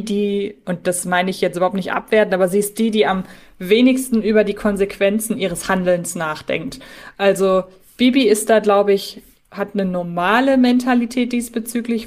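Female podcast co-host, medium pitch, casual and wordy delivery with playful formality. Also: darkish tone.

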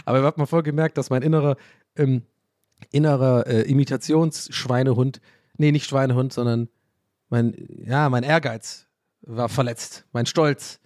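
A man from a German village, telling a story in a casual monologue, animated, self-mocking and rambling. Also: medium pitch, normal speed, no echo, studio quality.

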